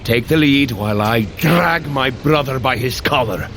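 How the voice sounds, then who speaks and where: A man's voice: medium pitch, normal speed, noisy background, close to an everyday voice. An actor playing a bold, battle-eager male warrior god in a fantasy audio drama, speaking in commanding, formal heroic diction as he coaches a workout. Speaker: character coaching listener through a workout.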